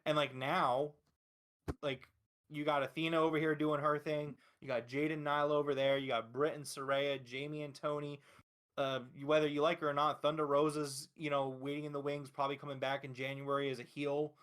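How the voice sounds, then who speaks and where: Higher-voiced man giving opinionated wrestling commentary. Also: flat delivery, a little fast, a bit bright. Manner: emphatic, frequent swearing. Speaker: podcast host.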